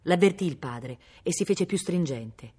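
Woman, low voice, novel reading, measured, steady, library reading. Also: breathy edge. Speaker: reader. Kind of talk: literary reading aloud. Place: public library.

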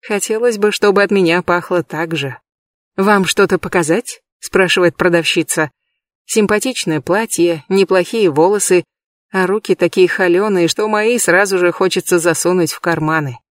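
A man giving a measured, lightly expressive first-person audiobook reading, recorded close in a booth. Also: high voice, no room sound. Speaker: audiobook reader.

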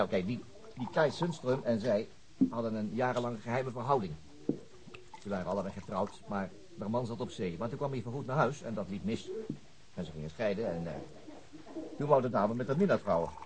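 Low-voiced, earnest police chief inspector, played by a man. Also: expressive, brisk, background noise, lightly acted. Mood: reflective. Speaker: actor in a radio crime drama. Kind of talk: naturalistic radio drama dialogue.

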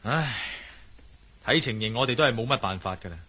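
An actor playing a calm, self-assured adventurer in a radio drama, speaking firm in a matter-of-fact way. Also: male voice, mid-range voice, brisk, slightly rough. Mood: steady. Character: bold adventurer man, calm and sure of himself.

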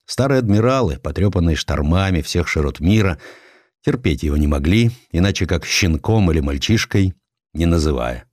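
A man narrating a literary historical story as an audiobook, in a measured, theatrical storytelling manner. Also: deep voice, lively intonation, a little mellow, dry recording, clean studio sound. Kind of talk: expressive scripted literary narration.

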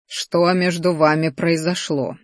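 A woman voicing a blunt, growling young male black dragon in an audiobook, asking slow, pressing questions. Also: on the low side, flat delivery, dry recording, clean studio sound, natural voice. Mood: gruff.

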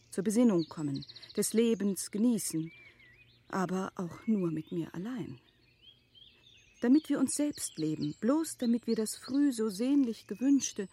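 An actress in a classic German radio play playing a prudent, gently firm middle-aged wife who speaks in measured, eloquent, formal phrases. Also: female voice, mid-range voice, slight background noise, natural voice.

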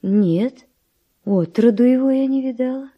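Refined young widow, dull old recording. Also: female voice, on the high side, unhurried, husky. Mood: firm. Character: virtuous, curious young noble Spanish widow. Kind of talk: theatrical verse radio drama acting.

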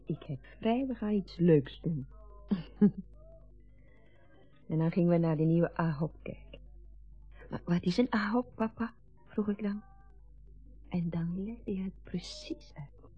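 Grown daughter, radio drama: very husky, breathy, wistful and reproachful, on a dull recording. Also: female voice, on the low side, no room sound. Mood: nostalgic. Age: adult. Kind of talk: naturalistic radio drama acting.

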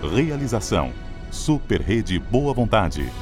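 Low-voiced Brazilian radio drama announcer, man. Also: very animated, slow. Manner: dramatic, declamatory. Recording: music behind the voice.

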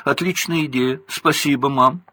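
A man's voice: moderate pace, pushed and bright, dry recording. A man doing cheeky teenage twin boys. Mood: teasing. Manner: teasing, bouncy, high put-on voice. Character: mischievous teenage twin boys, joking and teasing.

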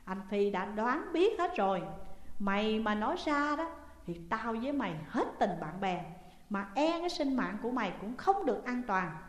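A woman voicing a blunt, defiant young Southern Vietnamese woman who will not give up her ghostly lover, speaking in a high, firm voice. The storybook reading rings with roomy, long reverb. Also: big pitch swings, moderate pace. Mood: scolding. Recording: echoey room with long reverb.

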